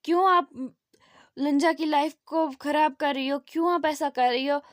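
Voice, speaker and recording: A woman's voice: high voice, fairly even intonation, normal speed, close to an everyday voice. A woman reading out the lines of a protective young woman who pleads with a string of questions. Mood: pleading.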